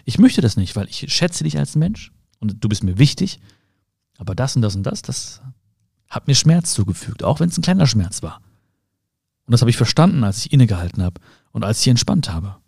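A man with a warm, mellow voice talks the listener through a quiet self-help monologue. He speaks calmly to them as a friend, circling back to rephrase each point. The sound is close and dry, with no room around it. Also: mid-range voice, fairly quick, gravelly, slightly rough, no room sound. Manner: calm, addresses the listener directly, rephrases often. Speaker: podcast host.

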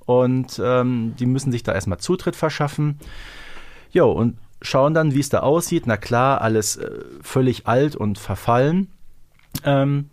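A man's voice: mid-range voice, lively intonation, unhurried, darkish tone. A man co-hosting a podcast, casually retelling and discussing in a chatty, colloquial way with frequent tag questions. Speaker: podcast co-host. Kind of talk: casual retelling and discussion of an audio drama episode.

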